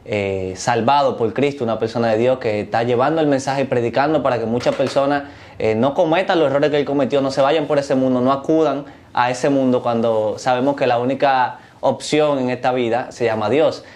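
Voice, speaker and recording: A man hosting a Christian television show, asking his guest formal, devout questions at a drawn-out pace. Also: mid-range voice, darkish tone. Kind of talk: interviewing a guest.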